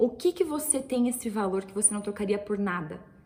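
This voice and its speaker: A woman's fairly quick speech over noticeable background noise. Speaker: online teacher. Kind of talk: online lecture.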